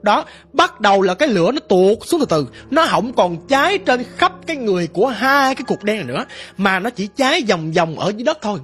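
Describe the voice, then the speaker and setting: A woman's voice: mid-range voice, very animated, a little fast, slightly rough. A woman narrating a ghost story in first person, vivid and emphatic.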